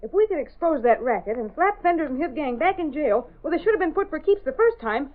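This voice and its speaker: An actress playing a sassy, quick-talking secretary at a newspaper in a 1930s radio drama. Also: female voice, sits high, sing-song. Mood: spunky. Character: spunky fast-talking female newspaper secretary. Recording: tinny old radio broadcast.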